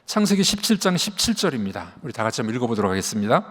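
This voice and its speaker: A man preaching a Sunday sermon as senior pastor, animated, acting out dialogue and dropping to soft asides. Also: medium pitch, very fast. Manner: animated, acts out dialogue with God and Sarah. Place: church sanctuary. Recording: long church reverb.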